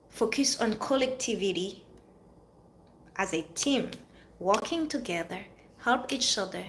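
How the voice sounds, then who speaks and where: A woman's voice: medium pitch, sharp tone. Woman, Haitian-French accent, motivational monologue, earnest and preachy, faint noise behind. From Haiti or France. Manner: earnest, preachy, repeats phrases for emphasis. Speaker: vlogger giving life advice.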